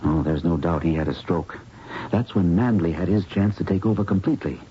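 An actor playing an earnest, protective investigator with a wry, grave manner in a 1970s radio drama. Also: male voice, low voice, fairly quick, soft background music, natural voice. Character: earnest protective male investigator doctor in love. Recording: muffled noisy old radio recording.

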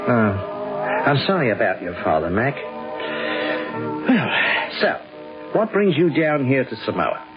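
A man's voice: medium pitch, big pitch swings, a little slow, long pauses, over music. An actor playing a breezy but wary working man in a 1970s radio drama, colloquial and sometimes hesitant. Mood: breezy, curious. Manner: colloquial, hesitant when uneasy. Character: breezy, wary Antipodean working man, loyal old pal. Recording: muffled vintage radio broadcast.

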